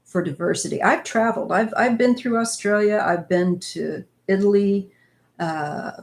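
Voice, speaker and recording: A fifties-aged woman from northwest Missouri, USA, hosts a tarot channel and reads the live chat aloud, speaking at normal speed in a mid-range voice. Her casual live-stream talk is rambling and chatty, and she addresses viewers as "you guys."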